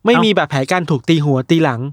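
Brief: young male host, quick storyteller, slightly high voice, dry close sound. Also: no echo. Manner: animated retelling, acts out quoted voices. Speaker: podcast host telling news stories. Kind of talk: casual storytelling chat.

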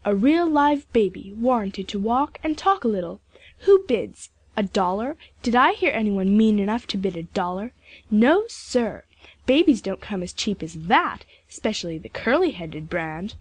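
A woman's voice: mid-range voice, very animated, moderate pace, a little mellow, no echo, voice pushed down. A woman playing a joking country auctioneer. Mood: jovial. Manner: jovial, showman patter. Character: joking country auctioneer, middle-aged man.

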